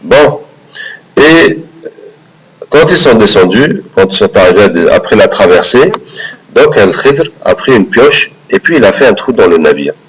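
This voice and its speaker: A man teaching a religious lesson, animated and often checking in with his listeners. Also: fairly low pitch, normal speed, low-quality recording. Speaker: Quran teacher.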